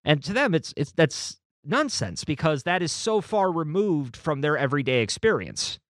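A man co-hosts a podcast, chatting casually about a book and reading long passages from it aloud. His voice is a little high at a moderate pace, and his delivery is lively and animated with restarts. The studio-quality recording has no echo.

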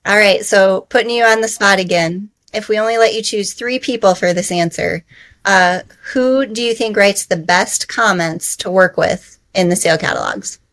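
Woman, podcast host, playful teasing questions, mid pitch, dry close sound. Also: moderate pace, fairly bright tone, no room sound. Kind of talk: casual podcast interview.

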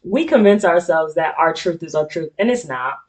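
A woman's voice: sits low, animated, normal speed, a little mellow. African American woman hosting a candid talk. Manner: informal, candid, conversational and slangy. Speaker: talk show host. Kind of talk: casual personal monologue to an audience.

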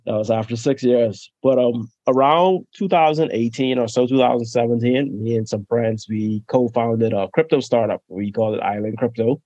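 A young man from the Bahamas, a podcast guest chatting casually, who laughs often and trails off softly at the ends of his sentences. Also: mid-range voice, normal speed, hardly any pauses, dry recording, muffled recording. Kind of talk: casual interview chat.

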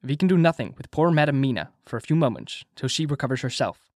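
A man voicing a calm, reassuring old professor who speaks softly and measuredly, in a storybook reading. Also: medium pitch, fast, no room sound, studio quality, natural voice.

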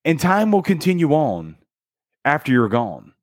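Male host, motivational book talk, animated pitch, dry close sound, punchy emphatic delivery. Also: a little slow, dry recording. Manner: energetic and emphatic, with dramatic counting and punchy one-word beats; casual slang like "dude" and "bro".

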